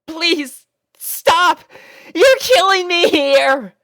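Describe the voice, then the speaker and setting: Brash tomboy pegasus filly, cocky and loud, as a male reader puts her on in a high falsetto. Very high, forceful, dry close sound. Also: animated, drawn-out words, dry recording, full character voice. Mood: laughing protest.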